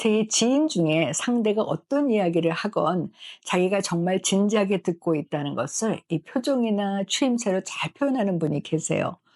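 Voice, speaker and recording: A woman with an unremarkable speaking voice talks at a medium pitch and moderate pace, her loudness very even. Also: lively intonation. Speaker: psychiatrist. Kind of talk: lecture. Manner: formal.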